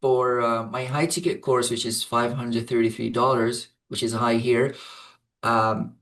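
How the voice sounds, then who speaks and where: A man's voice: medium pitch, little pitch movement, measured pace, fairly bright tone, recorded from a distance. A man who grew up in Saudi Arabia and whose first language is Arabic, answering interview questions hesitantly, with many fillers and restarts. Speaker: program client, English teacher.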